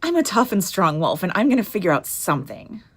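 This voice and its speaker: A woman's voice: mid-range voice, very animated, a little fast. A woman playing a scrappy, awkward wasteland scavenger, earnest and rambling, in a comedy drama. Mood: defiant, flustered. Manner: rambling, earnest, self-correcting.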